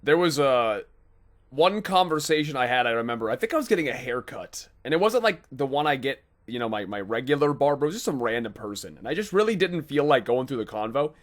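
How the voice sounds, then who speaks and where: A man's voice: mid-range voice, sing-song, fast talker. A young man from North Dakota with a Midwestern American accent, chatting casually and rambling cheerfully over a voice call while he plays and comments. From North Dakota, USA. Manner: rambling, upbeat, laughs easily. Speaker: gaming video host. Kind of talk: casual gameplay chat and commentary.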